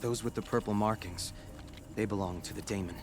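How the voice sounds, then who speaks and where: A man's voice: on the low side, steady tone, fairly quick, over loud music, close to an everyday voice. A man acting a guarded, grimly dutiful tribal watchman in a video game, with brusque, solemn and formal delivery. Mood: grim, wary.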